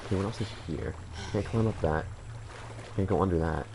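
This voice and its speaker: A gaming channel host jokes and rambles to his viewers in casual let's-play commentary while playing through a game. His low voice runs a little fast, with vocal fry and a slightly congested quality. Background noise sits behind him.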